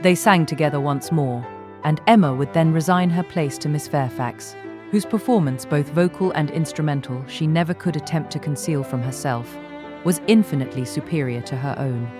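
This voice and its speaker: A woman reading literary narration in a measured, formal way as an audiobook narrator. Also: deep voice, music in the background.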